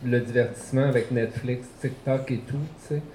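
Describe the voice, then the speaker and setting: A man with an ordinary speaking voice talks at a medium pitch and a fairly slow pace, keeping a fairly even intonation. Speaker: moderator relaying audience questions. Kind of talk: public Q&A.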